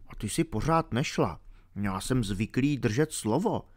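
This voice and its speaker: R, a reader voicing a soft furry alien. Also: mid-range voice, lively intonation, natural voice. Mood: hushed earnest. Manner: soft-spoken, measured, prim about discipline. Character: tiny furry alien archaeologist, male, careful and dutiful. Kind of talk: storybook reading.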